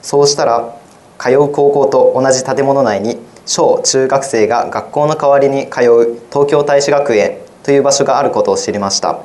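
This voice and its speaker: A man's voice: mid-range voice, normal speed, darkish tone. Teenage boy reading his essay earnestly. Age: teens. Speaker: high school student. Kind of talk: reading his own essay aloud on radio.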